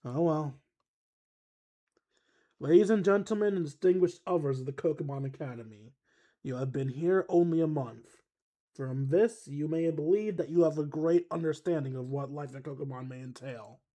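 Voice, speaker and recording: A player voicing a formal, wistful young man giving a measured farewell speech in a game. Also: medium pitch, mellow, voice pushed down, close to an everyday voice. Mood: solemn. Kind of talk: voice acting a game character.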